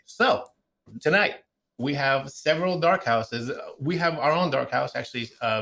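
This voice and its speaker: A man co-hosts a gaming podcast with energetic, rambling explanations. His voice is mid-pitched and ordinary. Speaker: podcast co-host. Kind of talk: casual podcast chat.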